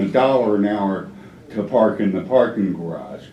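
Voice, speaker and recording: In a room with audible echo, a man speaks at a moderate pace. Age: old. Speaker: public commenter, tradesman. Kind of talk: public comment.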